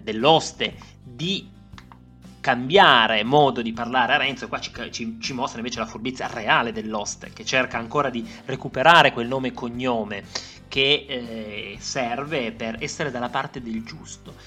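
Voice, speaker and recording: A man's voice: mid-range voice, unhurried, pushed and bright, soft background music. A man teaching literature, explaining a classic novel passage with frequent hesitations and fillers. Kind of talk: lecture with read-aloud passages.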